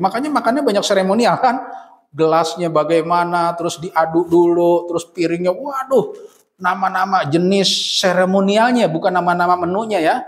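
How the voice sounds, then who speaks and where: Emphatic man giving an Islamic lecture. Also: sits high. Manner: emphatic, repeats lists rhythmically, recites Arabic verses. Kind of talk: religious lecture.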